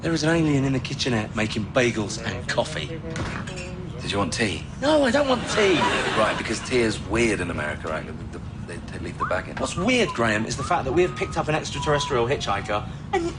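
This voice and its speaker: A man's voice: medium pitch, wildly swooping pitch, fast, heavy background noise. Exasperated man in a film clip. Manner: exasperated, arguing.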